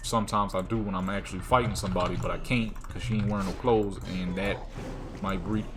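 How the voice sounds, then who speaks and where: A man's fairly low, animated voice at a fairly quick pace, with audible room echo and music in the background. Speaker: gaming youtuber. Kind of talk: gameplay commentary. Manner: slurred words.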